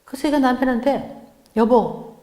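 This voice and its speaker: A middle-aged woman speaking as guest lecturer at a church mothers' meeting, lively, acting out quoted family lines. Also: sits high, normal speed, a little hiss or hum. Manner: animated, acts out quoted lines of family members. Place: church sanctuary. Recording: echoey church hall.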